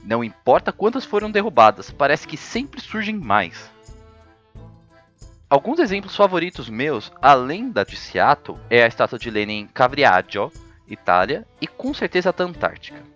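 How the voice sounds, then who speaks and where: A man's voice: mid-range voice, very animated, moderate pace, a bit bright, lo-fi sound, faint music behind. A man hosting a history video, narrating from a script with ironic, jokey asides.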